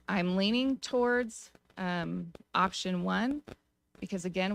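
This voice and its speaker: An American woman speaking as a city council member at a public meeting, giving her view in a measured, informal way. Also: fairly low pitch, gravelly. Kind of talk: deliberative public meeting remarks.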